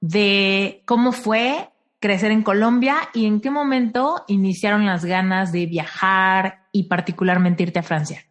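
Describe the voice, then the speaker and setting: A woman's voice: medium pitch, fairly even intonation, measured pace. A woman hosting an interview podcast, asking questions and reflecting on her guest's answers in an affirming way. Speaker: podcast host.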